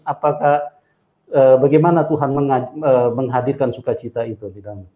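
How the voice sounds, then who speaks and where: A man, a pastor and host, calmly asking questions and drawing a spiritual lesson. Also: medium pitch, a little fast. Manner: calm, affirming with frequent murmurs. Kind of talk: interview and short preaching. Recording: slightly dull lo-fi sound.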